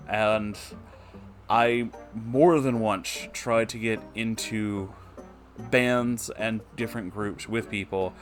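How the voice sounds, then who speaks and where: A man hosting an online story reading, speaking expressively and informally with casual swearing. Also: lowish voice. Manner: profane, informal. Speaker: online story reader and host.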